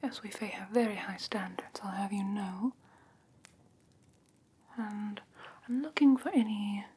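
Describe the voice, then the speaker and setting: A woman voicing an ancient, haughty yet curious fae in a soft breathy whisper for an ASMR fantasy roleplay, halting and matter-of-fact. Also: medium pitch, fairly even intonation, lightly acted. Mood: appraising, haughty. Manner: unhurried, matter-of-fact, faintly condescending, halting. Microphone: close ASMR microphone. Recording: close-miked with clear background ambient noise.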